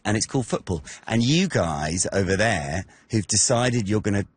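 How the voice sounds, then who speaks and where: A man's voice: on the low side, lively intonation, moderate pace, slightly rough, no echo. A man, being interviewed casually and talking in a jokey, self-deprecating way. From Britain.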